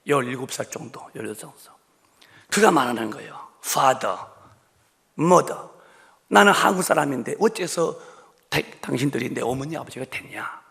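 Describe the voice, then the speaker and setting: Gravelly, animated preaching man. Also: on the high side. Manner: emotional storytelling with rhetorical questions. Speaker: pastor. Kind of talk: sermon. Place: church sanctuary.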